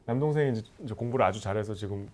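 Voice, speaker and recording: A man's voice: lowish voice, rapid-fire. A man in his forties, a podcast host, casually telling a long personal story in a chat. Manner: animated, rises sharply when recalling anger.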